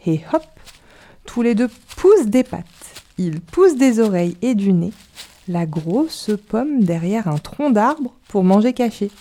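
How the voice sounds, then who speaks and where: A woman reads a children's tale slowly, stretching her words with lively, animated inflection. Her voice is mellow and relaxed, with soft music underneath. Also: mid-range voice. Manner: slow, expressive, savoring words. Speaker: storyteller. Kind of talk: children's story reading.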